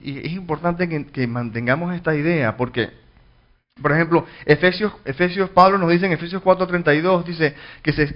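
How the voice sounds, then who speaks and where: A pastor teaching a Bible study, reading verses aloud and explaining them with frequent restarts. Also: male voice, fairly high pitch. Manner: reads scripture then explains, many restarts and fillers. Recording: dull lo-fi recording.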